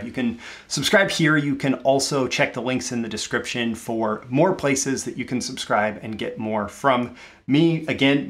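A man's voice: mid-range voice, fairly bright tone. A man hosting a daily show, talking casually about saving money and often repeating phrases for emphasis. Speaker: show host. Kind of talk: casual solo talk to camera about money.

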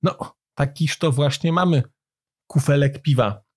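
A man giving a relaxed, playful book recommendation as a reviewer. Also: on the high side, measured pace. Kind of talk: casual book commentary.

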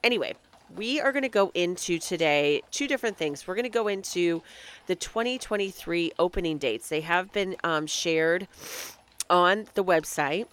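Woman podcast host, low and smooth voice with a nasal, crackly edge from a cold, chatty delivery. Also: lively intonation, moderate pace, fairly bright tone. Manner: chatty, reads lists of dates aloud. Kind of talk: casual solo podcast talk.

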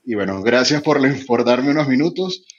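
A man's voice: medium pitch, lively intonation, normal speed. A Venezuelan man, a radio broadcaster and podcaster, explains his ideas eagerly and at length in an online panel. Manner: enthusiastic, long winding explanations. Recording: muffled lo-fi audio.

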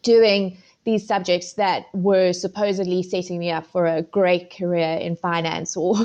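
A woman's voice: lowish voice, level tone, unhurried, darkish tone, highs cut off. A middle-aged woman with a South African accent, a food photographer answering interview questions in a loose, rambling way full of ums and restarts. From Zimbabwe and South Africa. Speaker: podcast guest, food photographer.

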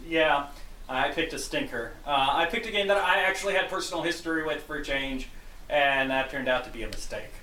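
A man's voice: fairly high pitch, fairly quick, slight background noise. Guy co-hosting a gaming podcast, rambly and laid back, echoey room, bit far from the mic. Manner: relaxed, rambling with fillers and restarts. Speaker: podcast co-host. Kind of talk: casual gaming chat.

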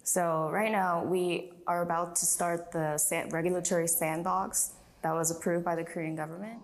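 A woman speaking for a tech company, explaining its product in a measured interview. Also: on the low side, steady tone.

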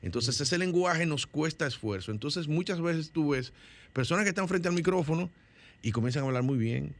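A man's voice: on the high side, expressive, moderate pace. A man from the Dominican Republic with a Dominican Spanish accent, a guest in a studio discussion, who explains at length and often restarts or repeats his words.

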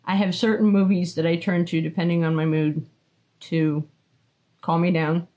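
A woman's voice: on the low side, flat delivery, normal speed, warm tone. Dry, teasing woman in her thirties. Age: 30s. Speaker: guest, host's wife. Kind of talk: casual interview chat.

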